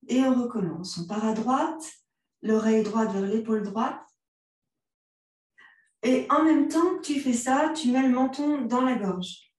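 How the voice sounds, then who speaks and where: A woman with a French accent leads a yoga class in a slow, soothing way. Her voice is mellow and her cues are gentle. She sounds far from the mic in a very echoey room. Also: fairly high pitch. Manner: calm, gentle cues, mixes vous and tu. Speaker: yoga instructor. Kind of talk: guided yoga class instruction.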